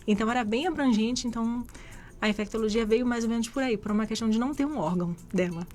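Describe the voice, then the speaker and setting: A woman's voice: a little high, quick pace, darkish tone. Woman explaining. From Rio de Janeiro, Brazil. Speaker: physician guest. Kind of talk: radio interview answers. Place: radio studio.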